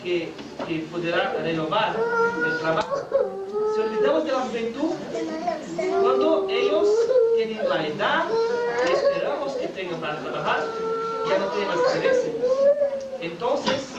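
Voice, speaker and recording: A man's voice: extremely high pitch, huge pitch swings, unhurried, muffled recording. A Brazilian man speaking Spanish as a second language, answering earnestly as a radio interview guest, with some hesitant restarts. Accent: Brazilian Portuguese. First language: Portuguese. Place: school hall during an anniversary event. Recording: echoey room from far off, loud noise.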